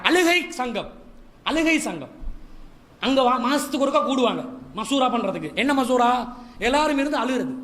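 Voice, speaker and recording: A man preaching at a Ramadan lecture series, mixing humorous stories and mimicry into the sermon. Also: very high voice. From Sri Lanka. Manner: humorous, lively storytelling with mimicry and asides. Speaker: Islamic preacher.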